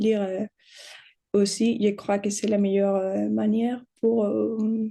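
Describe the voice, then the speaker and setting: In a non-native accent, a woman speaks at a medium pitch with a dark, mellow tone. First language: not French (speaking French). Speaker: academic speaker. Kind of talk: conference talk. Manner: halting.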